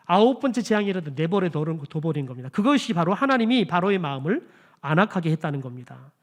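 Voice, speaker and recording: A male pastor delivers a Sunday sermon in a high, very animated voice that rises and falls all over. He keeps turning to the congregation with direct questions that he answers himself. His emphatic lines drop into quiet, hushed phrases. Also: fast. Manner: addresses the congregation often as "여러분", asks questions and answers them himself. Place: church sanctuary.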